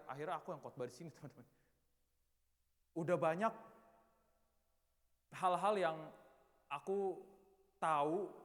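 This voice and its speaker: A man in his twenties giving a casual, chatty youth sermon in church, talking straight to the young people. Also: on the high side. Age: 20s. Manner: casual, chatty, banters with the audience. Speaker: youth preacher. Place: church hall. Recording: long hall reverb.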